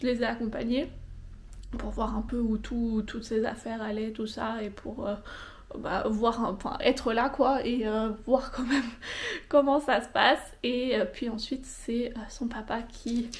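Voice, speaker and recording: A woman's voice: on the high side, fairly even intonation, measured pace. A young woman, tired and sniffly with a cold, chatting casually at home for her vlog with lots of hesitant fillers. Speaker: vlogger. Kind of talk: casual vlog chat to camera.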